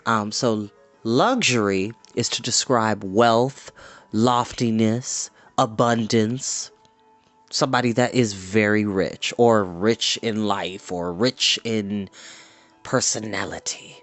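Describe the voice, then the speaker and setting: A man's voice: fairly low pitch, fairly even intonation, slow, no echo, faint music behind. A man reading a story aloud expressively, with informal, chatty asides to listeners. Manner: informal, explains words to listeners.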